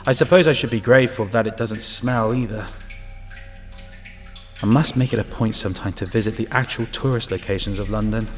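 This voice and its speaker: Man acting as male sewer inspector, lowish voice, uneasy, musing to himself, first-person audio drama narration, prominent background music. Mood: muttering, businesslike.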